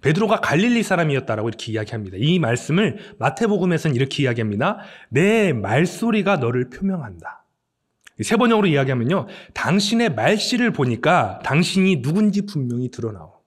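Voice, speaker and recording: A male pastor preaches with a lively, wide-swinging delivery that rises and falls dramatically. His voice sits somewhat high for a man, and he alternates between scripture reading, rhetorical questions and hushed moments. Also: fast. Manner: animated, dramatic, with acted quotes and rhetorical questions. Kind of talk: sermon.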